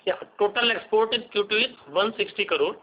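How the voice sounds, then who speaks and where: A man's voice: sits high, brisk. A man with an Indian accent giving brief answers as a finance executive on a call. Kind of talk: brief answers to analyst questions. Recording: dull, muffled call audio.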